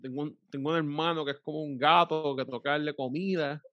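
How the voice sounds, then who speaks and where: A man's voice: on the high side, steady tone, brisk, no echo, lo-fi sound. A man in his thirties in casual banter, wry and profane, swearing often. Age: 30s. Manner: wry, profane, keeps saying "cabrón".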